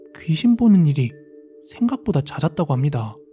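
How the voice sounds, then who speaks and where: A man whispers at a moderate pace with music in the background. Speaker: horror story radio narrator. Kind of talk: reading viewer-submitted horror stories. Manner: whispered, ASMR-like.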